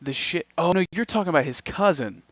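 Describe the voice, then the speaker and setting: A man's voice: fairly high pitch, fairly quick. A man on a casual podcast chat, telling stories with lots of swearing. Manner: swears a lot, animated storytelling. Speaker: podcast co-host.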